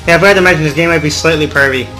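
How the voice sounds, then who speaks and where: A man's voice: a little high, rapid-fire, sharp tone, faint music behind. A man doing let's play commentary and reading game text aloud, stumbling over words at times, with playful reactions. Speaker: let's player. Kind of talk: gaming commentary with visual novel read aloud.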